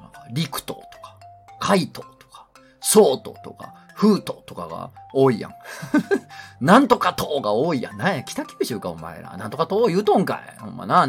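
A man's voice: mid-range voice, vocal fry. A middle-aged man with a Kansai accent, hosting a casual talk show, reading listener mail and joking to himself. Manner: joking, animated, talks to himself. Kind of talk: casual radio chat.

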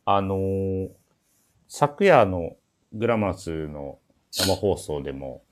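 A man's voice: sits low, takes it slowly. A man hosting a casual talk show, chatting and announcing events with a dry, teasing manner. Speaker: radio show host.

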